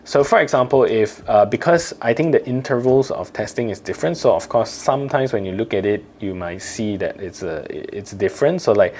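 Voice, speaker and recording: A man's voice: fairly low pitch, lively intonation, a little fast, hardly any pauses, a little mellow, a little hiss or hum. A man with a Singaporean accent and Singlish manner of speech, giving a casual tech product review.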